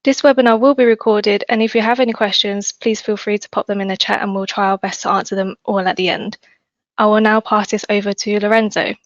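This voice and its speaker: A woman's voice: medium pitch, fairly even intonation, a little fast, no room sound, lo-fi sound. A woman hosting a webinar, introducing the speakers in a polite, organized way. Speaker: webinar host.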